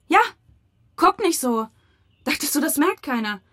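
An actress playing an angry, grieving environmental activist with an accusing, sarcastic manner in a radio crime drama. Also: female voice, high voice, expressive, unhurried, sharp tone, exaggerated voice.

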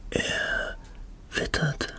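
An actor playing a sick, weary middle-aged father in a radio play, speaking in terse, halting, breathy mutters. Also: pushed and bright. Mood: hushed. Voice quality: breathy, creaky, often whispering. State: sick with fever. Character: weary, feverish father in a snowbound log cabin.

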